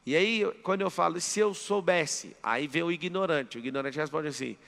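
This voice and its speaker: In a big hall whose long reverb follows each line, a mentor with a Brazilian Portuguese accent leads a live motivational seminar and presses the audience with emphatic commands. His voice is high and heavily gravelly, with a bright, forceful edge. He sounds expressive and talks fairly quickly.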